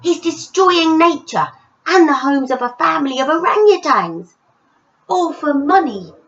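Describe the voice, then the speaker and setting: A woman's voice: high-pitched, expressive, a little slow, dull audio, pitched above the performer's own voice. A woman voicing a bold, earnest young village boy in a children's story, speaking emphatically. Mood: earnest, indignant.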